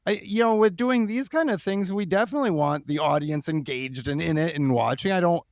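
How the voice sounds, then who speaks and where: A man hosting a casual interview podcast, informal and halting as he thinks aloud. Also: on the high side, dry recording, studio quality. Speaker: podcast host.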